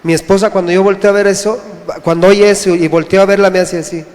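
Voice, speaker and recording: A man from Mexico gives his testimony before a congregation, earnest and halting, stumbling over and repeating his words. His voice sits high for a man. It rings out with the long echo of a church hall. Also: steady tone, darkish tone. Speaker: church member giving testimony. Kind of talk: personal testimony.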